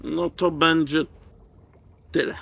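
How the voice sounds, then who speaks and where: A man describes his character's moves in a tabletop game. His voice is somewhat high and bright, and he takes his time, thinking aloud with casual hesitation. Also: level tone, slow, creaky, husky. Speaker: player in a tabletop role-playing game.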